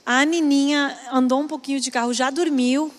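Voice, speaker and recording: Woman, co-host, heartfelt personal story, high voice, reverberant hall. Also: fairly even intonation, moderate pace. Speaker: pastor's wife, co-host.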